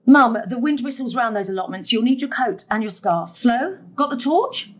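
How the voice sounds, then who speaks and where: A long-suffering middle-aged mother in a drama. Her voice is high and swings widely in pitch. She sounds exasperated and emotional as she manages her family. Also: animated, moderate pace. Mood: resigned, brisk. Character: harried, long-suffering mother caring for mother and daughter. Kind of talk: naturalistic drama acting.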